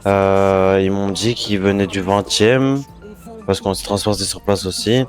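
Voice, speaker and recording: A man with a lowish voice explains things in a game roleplay. He rambles and hesitates, using slang, while music plays faintly behind him. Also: fairly even intonation, measured pace. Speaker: online roleplay player. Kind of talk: improvised spoken report in game roleplay.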